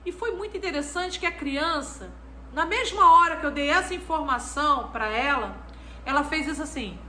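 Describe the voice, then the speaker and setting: A high, bright woman's voice, lecturing on literacy in a chatty, expressive way. She keeps checking in with her listeners. The sound rings in an echoey room with a faint hiss behind it. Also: normal speed. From Brazil. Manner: expressive, chatty, constantly adds "né". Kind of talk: lecture mixed with classroom anecdotes.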